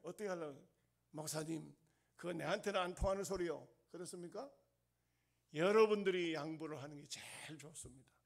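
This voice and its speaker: A male pastor preaching a sermon, emphatic and repetitive, asking the congregation questions and swinging between loud bursts and soft asides. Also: sits high, vocal fry. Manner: emphatic, repeats lines, asks the congregation questions.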